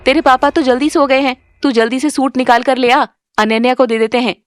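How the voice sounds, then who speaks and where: A woman voicing a cruel, scolding middle-aged stepmother in an animated story. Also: high-pitched, a little fast, no echo, studio quality, close to an everyday voice. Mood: threatening. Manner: scolding, sneering.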